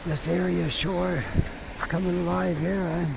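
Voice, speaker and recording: A man with a head cold and a raspy voice, chatting slowly as he walks through a city street filming a vlog. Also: high-pitched, level tone. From Canada. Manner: slow, chatty, drawn-out phrases. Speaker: walking vlogger. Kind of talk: casual walking commentary. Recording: street noise and traffic behind.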